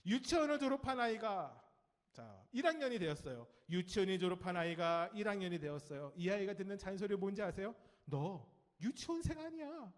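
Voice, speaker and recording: A Korean man preaching a Sunday sermon, telling stories and speaking straight to the congregation, his sentence endings trailing off soft and low. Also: quick pace. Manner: lively storytelling with acted quotes of nagging adults; talks directly to the congregation and children. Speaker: pastor. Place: church sanctuary.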